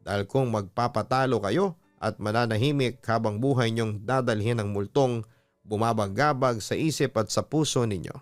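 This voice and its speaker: Male narrator, Filipino accent, earnest and exhorting, mid-pitched, dry studio sound with faint music underneath. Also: normal speed, no echo. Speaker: storytelling show host and narrator. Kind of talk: reading a listener's letter and giving earnest advice. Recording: music playing behind a dry voice. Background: background music.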